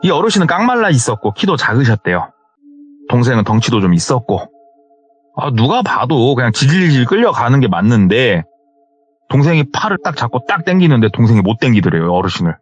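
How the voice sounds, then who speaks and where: Animated man telling a horror tale. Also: mid-range voice, fairly quick, husky. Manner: animated retelling, acting out quoted people in raised voices. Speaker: horror story narrator. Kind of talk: retelling a true horror story. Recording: dull lo-fi sound with faint music.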